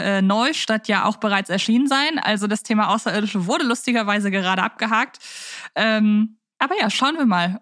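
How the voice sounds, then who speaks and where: Higher-voiced woman co-hosting a podcast. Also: a bit bright, no echo, clean studio sound. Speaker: podcast co-host. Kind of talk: casual podcast conversation about audio dramas.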